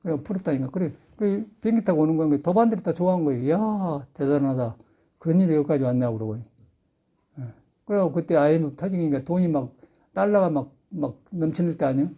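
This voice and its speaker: A man's voice: a little high, animated, quick pace, mellow. An older man, a Buddhist monk, giving a folksy Sunday sermon full of anecdotes and laughter. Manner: chatty storytelling with laughter. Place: temple dharma hall.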